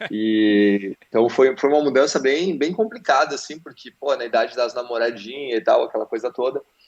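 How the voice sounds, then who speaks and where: A man with a southern Brazilian accent at a moderate pace, with ordinary pitch variation, big swings in loudness and hardly any pauses. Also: medium pitch for a man. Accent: gaúcho (southern Brazilian). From southern Brazil, Rio Grande do Sul (Caçapava do Sul, then Porto Alegre). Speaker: game studio CEO, former footballer. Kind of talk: interview conversation.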